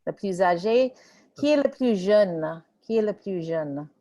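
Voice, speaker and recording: A woman's voice: medium pitch, animated, unhurried, warm tone. A woman teaching an online French class over a video call, mixing French and English as she encourages her students.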